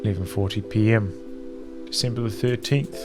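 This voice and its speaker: A man's voice: on the low side, fairly even intonation, moderate pace, over music. A man streaming a read-aloud of a visual novel in a narrative style.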